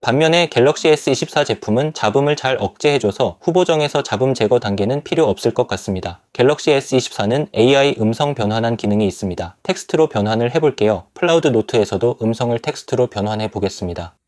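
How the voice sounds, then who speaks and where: A man's voice: mid-range voice, expressive, fast, few pauses, darkish tone, no room sound, clean studio sound. A man narrating a scripted product review in a polite, explanatory manner.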